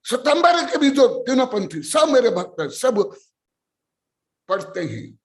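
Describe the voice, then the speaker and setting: A man's voice: very high voice, very animated, takes it slowly. A man giving a sermon on scripture in an emphatic, scolding, lecturing manner.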